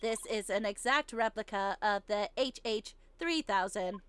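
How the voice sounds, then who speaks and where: A woman's voice: mid-range voice, a little slow, slight background noise, natural voice. A woman voicing a precise, robotic bomb technician witness in terse, clipped phrases for a video game read-along. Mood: clipped, exact.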